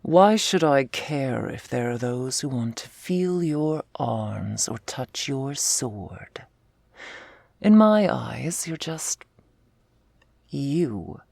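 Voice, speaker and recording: Woman performing female half-orc war leader, ASMR role-play, breathy and husky, unhurried, tough yet tender, close dry sound. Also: big pitch swings, no echo, full character voice. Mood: exasperated, teasing. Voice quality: low husky, breathy, gravelly voice. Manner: slow confessional delivery, often dropping in a soft voice.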